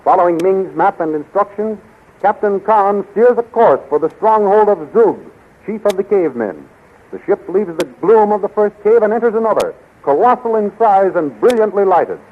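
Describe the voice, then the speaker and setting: High-voiced 1930s radio announcer, male. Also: expressive, moderate pace. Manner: formal, dramatic declamation. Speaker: announcer and narrator. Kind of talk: 1930s radio serial narration, scripted. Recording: tinny, faintly noisy 1930s radio recording.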